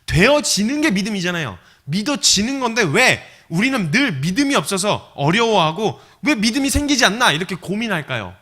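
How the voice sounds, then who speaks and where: A man's voice: high voice, fairly quick, few pauses. A male missionary preaching to young adults, telling stories vividly and acting out scenes with sound effects. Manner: animated storytelling, acts out scenes with sound effects.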